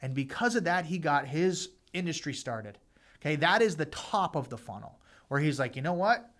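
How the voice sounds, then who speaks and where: Casual finance host, a bit high. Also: male voice, expressive, moderate pace, a bit bright. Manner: conversational, repeats for emphasis, frequent fillers. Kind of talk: casual explainer talk.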